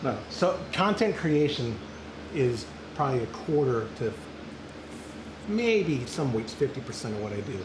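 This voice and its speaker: A man's voice: mid-range voice, very animated, measured pace. A man from Central Texas, hosting a homebrew live stream in a chatty, joking, rambling way while he brews. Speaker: homebrew show host. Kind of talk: casual live-stream chat while brewing. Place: brewing area with flies around. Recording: echoey with loud background noise.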